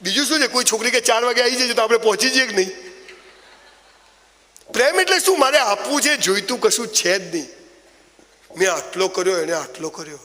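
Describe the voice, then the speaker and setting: A man delivers a motivational speech, spinning comic stories with mocking asides. His voice sits high for a man. It rings out with a long hall reverb. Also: brisk, long pauses. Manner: animated storytelling with mocking asides. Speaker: motivational speaker.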